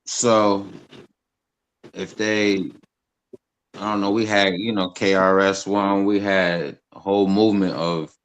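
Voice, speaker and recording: Deep slow-talking man, lo-fi sound. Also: flat delivery, clean tone. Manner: slow, searching for words. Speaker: guest panelist. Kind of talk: casual chat.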